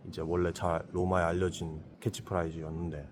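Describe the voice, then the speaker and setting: A man's voice: low-pitched, fairly quick, a little hiss or hum. A man hosting a Christian channel, chatting reflectively on a trip and sometimes acting out imagined villagers. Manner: reflective, acts out imagined villagers in lively voices. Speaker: Christian apologetics channel host. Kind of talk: casual travel conversation.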